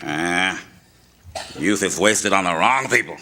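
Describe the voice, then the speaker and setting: An actor playing an impatient, world-weary older neighbour in a 1940s radio drama style, recorded on an echoey stage. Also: male voice, low voice, animated, slow, bright, forceful tone, exaggerated voice. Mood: grumbling.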